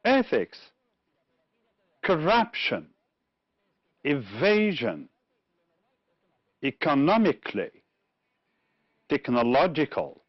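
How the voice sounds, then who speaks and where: Man slowly reading words with swooping pitch. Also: wildly swooping pitch, dry recording. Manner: slow, clearly separated words with swooping pitch. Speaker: English teacher reading example words. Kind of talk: careful word-list reading. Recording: dull, lo-fi dry studio sound.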